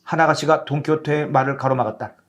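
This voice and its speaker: A man telling a children's storybook tale as an animated narrator. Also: on the high side, quick pace, dull audio.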